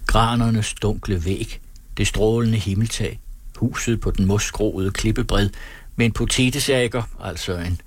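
Husky man reading an old novel. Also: fairly low pitch, no room sound.

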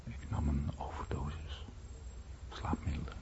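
An actor playing a troubled air force veteran who gives halting, subdued answers in a radio drama. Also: male voice, rumbling low, flat delivery, creaky, dark tone, whispered, exaggerated voice. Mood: hesitant, troubled. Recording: dull, noisy radio drama recording.

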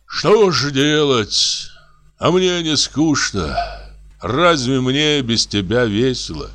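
A man's voice: medium pitch, lively intonation, slow, fairly bright tone, pitched above the performer's own voice. A man voicing a self-pitying, lamenting spendthrift who calls himself a scoundrel, in an audiobook reading.

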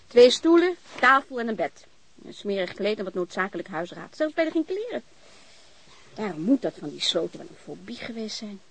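An actress playing a blunt, warm-hearted, talkative landlady in a naturalistic radio drama, informal and frank. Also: mid-range voice, very animated, brisk, breathy edge. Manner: informal, chatty, frank, mild swearing.

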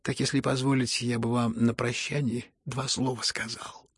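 A man reading a storybook who voices a dying young man, calm and ironic, speaking hoarsely at barely a whisper. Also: medium pitch, moderate pace, no echo, studio quality, natural voice. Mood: weary.

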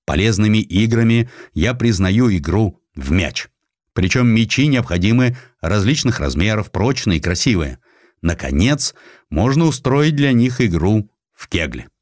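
A man's voice: fairly low pitch, lively intonation, measured pace, no echo, clean studio sound. A man voicing a decisive, demanding army commander, giving orders in emphatic phrases in a dramatised historical story. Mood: stern.

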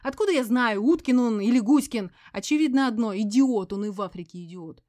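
A woman reading an audiobook voices a furious, spiteful ex-wife who hisses and yells, her voice breaking into shrieks. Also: mid-range voice, fairly quick, no room sound, studio quality, lightly acted. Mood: gloating, spiteful. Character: furious embittered ex-wife, spiteful poisoner, screaming.

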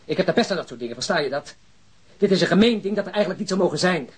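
A man acting in a crime audio drama as an earnest, principled police detective, blunt and probing, speaking deliberately. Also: high-pitched, animated, slightly rough, full character voice. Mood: grim, disgusted, then indignant. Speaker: actor in a radio drama.

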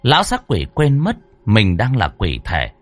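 A man narrating a horror story with lively, dramatic delivery. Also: on the low side, a little slow, no echo, soft background music.

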